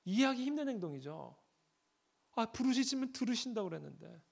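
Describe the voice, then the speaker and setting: A middle-aged man preaching a sermon as pastor, swinging from hushed asides to shouted scripture readings. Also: very high-pitched, very animated, brisk, vocal fry.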